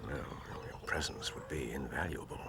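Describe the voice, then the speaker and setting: An actor playing a sharp, commanding middle-aged detective in a radio drama, precise and clipped. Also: male voice, a bass voice, moderate pace, very noisy. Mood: hushed.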